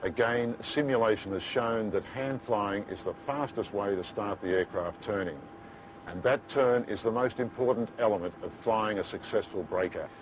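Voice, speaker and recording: Low-voiced male instructor, faint rumble. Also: normal speed, rough recording. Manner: formal, question-and-answer explaining. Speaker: instructor explaining procedures. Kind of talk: scripted instructional explanation.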